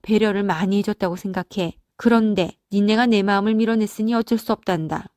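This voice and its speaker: A woman's voice: mid-range voice, a little fast, darkish tone, no room sound, clean studio sound, natural voice. A woman voicing a hurt but firm older mother in a story, speaking with reproach and resolve. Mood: stern, measured.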